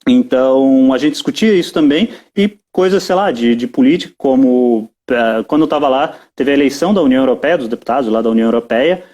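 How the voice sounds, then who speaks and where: A man's voice: medium pitch, fairly quick, hardly any pauses, warm tone. A young Brazilian man in a casual live chat, often repeating words as he talks. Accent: Brazilian Portuguese. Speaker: guest.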